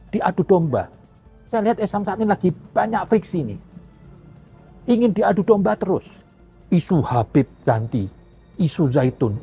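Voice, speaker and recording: A man's voice: high voice, dark tone, husky. A man giving a blunt, mocking opinion monologue on a religious controversy. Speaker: religious commentator. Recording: lo-fi with faint music.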